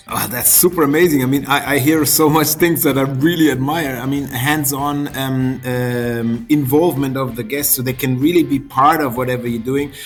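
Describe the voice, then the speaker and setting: Over music in the background, a man with a German accent and a fairly high pitch talks with fairly even intonation and hardly any pauses. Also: moderate pace. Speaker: podcast host. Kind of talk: casual interview.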